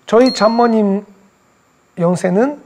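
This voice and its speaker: A man in his forties, a language student, speaking carefully and deliberately in class practice. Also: sits high, dark tone, slight background noise. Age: 40s. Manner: careful, deliberate learner speech.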